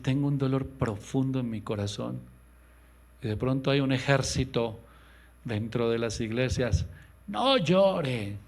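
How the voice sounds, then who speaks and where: A male pastor delivering an impassioned sermon, swinging between loud, raised lines and hushed, low ones, and acting out quoted voices in a higher pitch. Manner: impassioned preaching with sudden loud rises and hushed drops. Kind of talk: radio sermon.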